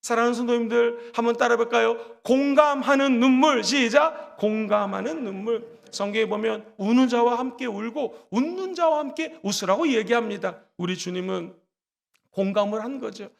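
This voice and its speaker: High-voiced man preaching in a reverberant hall. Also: brisk, vocal fry. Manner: preaching with dramatic rises and call-and-response prompts. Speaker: pastor. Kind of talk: sermon. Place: church sanctuary. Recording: long church hall reverb.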